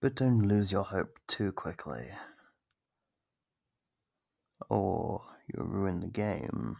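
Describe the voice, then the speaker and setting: Man acting a very deep, gravelly, sadistic monster. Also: very animated, a little mellow, no echo, studio quality, exaggerated voice. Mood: gleeful taunting. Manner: menacing, theatrical, savoring, drawn-out phrasing. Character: sadistic, gloating monster toying with captive prey. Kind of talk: ASMR roleplay, scripted monologue.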